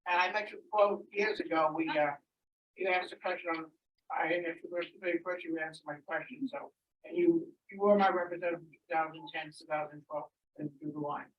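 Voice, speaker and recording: Rushed audience questioner, distant and echoey. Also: medium pitch, steady tone. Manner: rushed, run-on delivery. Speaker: audience member asking questions. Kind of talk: public question at a meeting. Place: indoor community meeting room. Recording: echoey, muffled, noisy room, far from mic.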